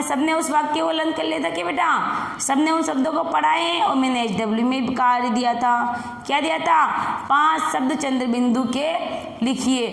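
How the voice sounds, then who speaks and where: Brief: woman teacher with a Rajasthani Hindi accent, coaxing small children through a lesson, gravelly edge, echoey room. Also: high-pitched, a bit bright. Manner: slow, coaxing, repeats and stretches words for children. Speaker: primary school Hindi teacher. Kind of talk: online class lesson for young children. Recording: echoey room with long reverb.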